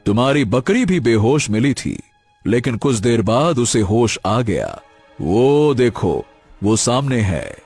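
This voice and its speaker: An actor voicing a wise, mysterious old hermit sage in a cartoon story, speaking calmly and soothingly. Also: male voice, medium pitch, slightly rough, soft background music, full character voice. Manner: calm, soothing, measured.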